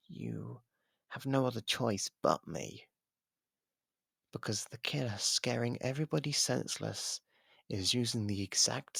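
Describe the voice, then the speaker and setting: A man playing a sardonic, taunting imprisoned murderer in an ASMR roleplay, with a gravelly, husky voice and theatrical pauses, close on the mic. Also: on the low side, a bit bright, no room sound, exaggerated voice. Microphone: close microphone, dry.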